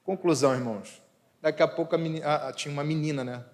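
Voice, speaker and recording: A man's voice: fairly high pitch, steady tone, fast talker. A male pastor, preaching a sermon with personal stories, rhetorical questions and humorous asides. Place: church. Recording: church hall reverb.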